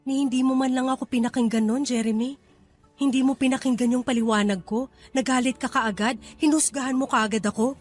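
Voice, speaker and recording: An actress plays a wounded young hostess in a radio love drama. Her voice is a little high and pleading, guarded and full of feeling, with faint music behind it. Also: fairly even intonation, fairly quick, close to an everyday voice. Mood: hurt, reproachful. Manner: pleading, emotional. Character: guarded, hurt young KTV hostess pushing away her suitor. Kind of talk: radio romance drama acting.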